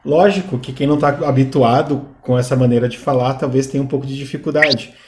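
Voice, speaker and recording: A man from southern Brazil hosting a casual chat about accents, talking in a relaxed, conversational way and asking questions. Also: mid-range voice, fast talker, roomy sound. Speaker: host. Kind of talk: casual commentary on video clips.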